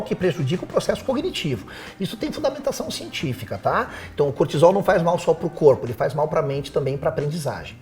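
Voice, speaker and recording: A man who teaches, a guest on a podcast, giving practical advice in a casual, animated way with rhetorical questions. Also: fairly high pitch.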